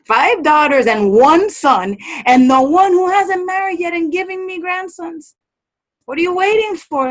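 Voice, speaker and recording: A woman's voice: sits high, a bit bright, heavily acted. A woman acting an old, doting and scolding Latina mother and servant in a play reading, fretful and sprinkling her speech with Spanish endearments.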